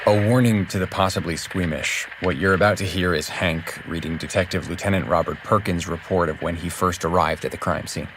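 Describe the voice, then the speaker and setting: An actor playing a serious true-crime podcast host, narrating in a measured, scripted way. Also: male voice, low voice, steady tone, background noise, close to an everyday voice. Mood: grave.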